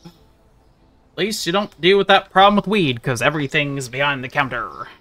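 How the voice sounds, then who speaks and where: Male streamer, casual chat, playful ranting, sharp bright tone, lively pitch. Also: normal speed. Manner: chatty, bursts into loud playful rants. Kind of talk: casual live-stream chat while gaming.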